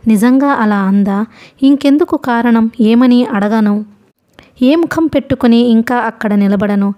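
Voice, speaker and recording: A woman voicing a hurt, indignant young man who answers in sharp, clipped retorts, reading from an audiobook novel. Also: fairly high pitch, a little slow, highs cut off, close to an everyday voice. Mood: bitter.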